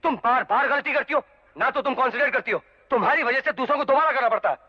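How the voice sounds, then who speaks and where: A man's voice: very high-pitched, rapid-fire. An actor playing a brash, teasing young man who runs a dance school, mixing English into his talk. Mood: scolding. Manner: breezy, teasing, mixes English into speech. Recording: dull old film soundtrack with music.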